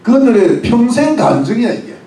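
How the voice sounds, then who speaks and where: A man's voice: very high-pitched, big pitch swings, normal speed, warm tone, reverberant, recorded from a distance, low-quality recording. A man preaching a sermon as pastor, explaining words one by one with English phrases and asking the congregation questions. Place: church.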